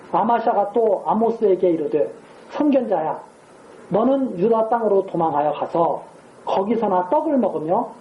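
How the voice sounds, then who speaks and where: A woman's voice: medium pitch, reverberant, muffled recording, a little hiss or hum. A woman preaching a sermon in a conversational way, asking her listeners rhetorical questions and acting out quoted speech. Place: church sanctuary.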